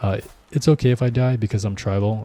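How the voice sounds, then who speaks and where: A man's fairly low, dark, mellow and somewhat breathy voice, relaxed in tone, at a fairly quick pace with fairly even intonation, dry and close with no echo. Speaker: video game streamer. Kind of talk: game playthrough commentary. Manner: casual, relaxed.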